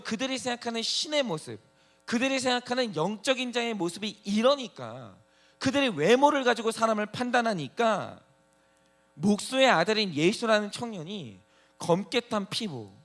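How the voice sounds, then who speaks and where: A man's voice: high voice, a bit bright. A man pastor preaching a sermon, asking the congregation many rhetorical questions.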